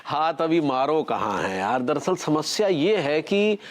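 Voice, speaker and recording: An actor playing a pompous, impatient small-time trader. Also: male voice, fairly high pitch, big pitch swings, a little slow, crowd noise.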